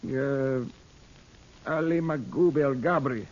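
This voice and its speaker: An actor playing a wounded, miserable Arab henchman in a radio drama, speaking halting broken English, weakly and in pain. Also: medium pitch, darkish tone, close to an everyday voice. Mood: pained, reluctant. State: weak, in pain. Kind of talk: old-time radio drama acting. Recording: dull, hissy old radio recording.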